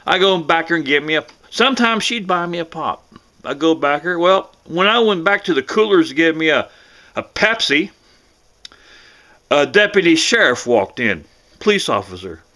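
A middle-aged American man telling a personal story casually to camera in a folksy, halting way, often repeating himself. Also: fairly high pitch, bright, forceful tone. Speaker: vlogger.

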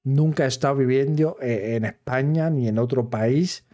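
A man from Switzerland with a Swiss accent, talking casually to camera as a gaming video creator, in careful, halting Spanish that is not his everyday language. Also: medium pitch, mellow. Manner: careful, halting Spanish of a non-native speaker.

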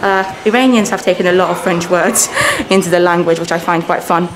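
A woman's voice: fairly low pitch, steady tone, fairly quick. A woman in her thirties whose first language is Persian, giving an upbeat, chatty walking tour of a hotel while she films herself. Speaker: travel vlogger. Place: indoor hotel lobby and halls. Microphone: handheld camera, self-filmed. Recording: noisy handheld camera audio.

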